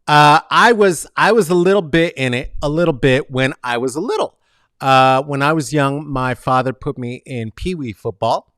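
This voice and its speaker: A man's voice: fairly high pitch, moderate pace, no echo. Man, show host, theatrical delivery, close studio mic, dry sound. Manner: theatrical, swings between soft asides and loud sing-song bursts. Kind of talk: animated comedic monologue. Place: home studio with posters and guitar. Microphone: large studio mic on stand, close.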